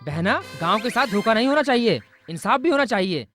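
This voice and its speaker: A man dubbing the bride's brother in a Hindi film dub, talking loudly and forcefully. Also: sits high, very animated, a little fast, over loud music. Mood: emphatic. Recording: film dub with loud background score.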